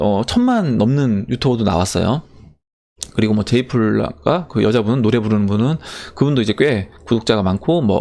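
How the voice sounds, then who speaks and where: Delivery is at a moderate pace with very even loudness. The tone is dark and mellow, with ordinary pitch variation. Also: man, medium pitch for a man. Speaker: crypto investment YouTuber. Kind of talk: Q&A commentary to viewers.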